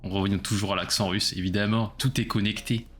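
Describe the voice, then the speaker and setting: A man's voice: on the low side, steady tone, fairly quick, a bit bright, faint music behind. A man casually commenting on his own gameplay during a live stream, chatty and self-mocking as he talks to his chat.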